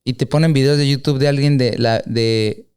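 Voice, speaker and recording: A man's voice: mid-range voice, fairly even intonation, moderate pace, darkish tone, clear, resonant tone. A man hosting a casual podcast, joking around and asking his guests questions. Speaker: podcast host.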